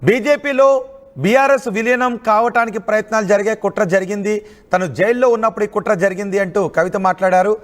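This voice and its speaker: A woman's voice: medium pitch, steady tone, fairly quick. A woman anchoring live news, presenting developments and putting questions to a reporter.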